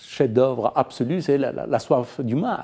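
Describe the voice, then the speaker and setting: This man's voice has a dark, mellow tone and ordinary pitch variation, set against a quiet background. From Afghanistan. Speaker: novelist and filmmaker; interviewee. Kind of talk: interview. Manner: halting with frequent repetitions. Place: studio. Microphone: lapel.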